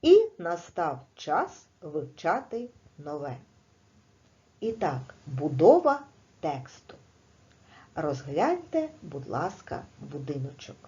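Slow, patient woman teacher. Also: low voice, huge pitch swings, warm tone, dull audio. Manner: slow, clear, patient classroom explaining. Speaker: primary school teacher. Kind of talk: recorded video lesson.

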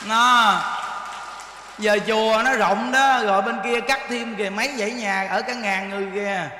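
A male Buddhist teacher preaches a lively sermon, teasing his audience and throwing rhetorical questions at them. His voice sits high and bright. The sound rings through a large hall with a long reverb. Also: moderate pace, slight background noise. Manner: animated, teasing, keeps asking the listeners questions. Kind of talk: dharma talk sermon.

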